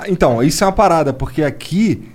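A man's voice: on the high side, expressive, a little mellow. Laid-back carioca man hosting. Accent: Carioca Brazilian Portuguese. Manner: laid-back, slangy, quick questions. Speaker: podcast host. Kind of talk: casual interview chat.

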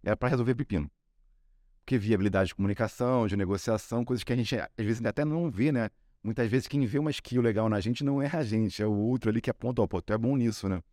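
A man from Rio de Janeiro speaks with a Carioca accent, rattling through his story at a quick clip. His voice sits a little low, and he keeps tossing in little tag questions. The sound is dry and close. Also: dark tone, no room sound. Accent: Carioca Brazilian Portuguese. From Rio de Janeiro, Brazil. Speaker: guest, sales executive. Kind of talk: casual podcast interview.

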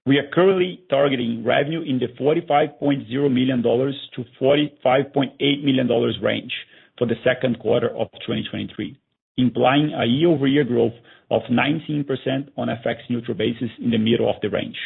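Over a narrow conference phone line, a finance executive with a gravelly, husky voice of medium pitch reads a scripted earnings presentation fairly quickly. He's formal throughout, sticking to his prepared remarks.

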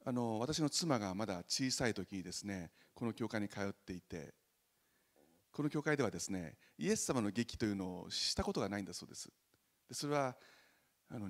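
A man preaching a sermon as pastor, animated and joking, loudly acting out the voices he quotes. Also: on the low side, long reverb tail. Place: church sanctuary.

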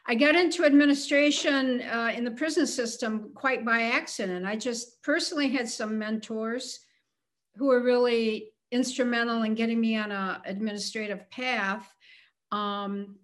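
A woman's voice: a little high, steady tone, normal speed. A woman of seventy speaking as an interview guest, candid and plainspoken, a little self-deprecating. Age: 70s. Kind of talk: casual interview conversation.

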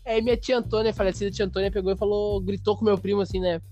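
A man, hosting a podcast and telling a story in a lively, slangy way. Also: high-pitched, rapid-fire, lo-fi sound, soft background music. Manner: animated, slangy, acts out sounds and voices. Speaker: podcast host. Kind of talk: casual storytelling.

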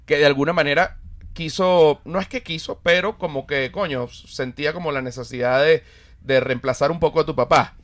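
A young adult man with a Venezuelan accent, a comedian co-hosting a podcast, blunt and animated, swearing often in casual banter. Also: a little high, normal speed, no echo. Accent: Venezuelan Spanish. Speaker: comedian co-host.

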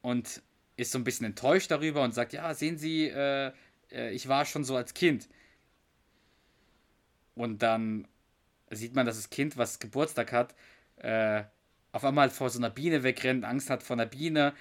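A man co-hosting a podcast, chatting casually and retelling scenes at length, quoting characters and pausing to hunt for words. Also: medium pitch. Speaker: podcast co-host. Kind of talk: casual chat retelling a sitcom episode.

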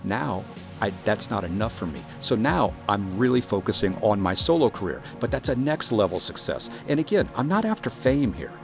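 A man with a fairly low voice that swings widely in pitch, speaking as a podcast host. He talks in an earnest, encouraging way to his listeners, and faint music plays underneath. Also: very animated, normal speed, creaky. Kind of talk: solo motivational podcast monologue.

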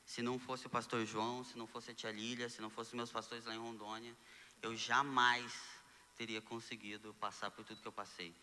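A young Brazilian man, a guest telling his story in a casual conversation, animated and acting out the dialogue he quotes. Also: mid-range voice, fairly quick, in a large hall. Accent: Brazilian Portuguese. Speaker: guest sharing testimony.

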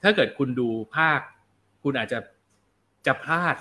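A young adult man hosts a laid-back film review chat, his voice bright and forceful. He talks in a loose, slangy way and reads out viewer questions before answering them. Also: medium pitch, a little slow. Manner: relaxed, chatty, slangy, reads out viewer comments. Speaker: film review show host.

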